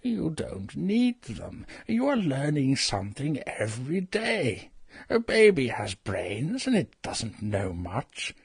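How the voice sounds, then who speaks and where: A man plays a sheepish old wizard who is really a humbug. His voice is husky and dry at an ordinary pitch, and he sounds apologetic and coaxing. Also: wildly swooping pitch, takes it slowly, no room sound, heavily acted. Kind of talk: dramatized audiobook reading.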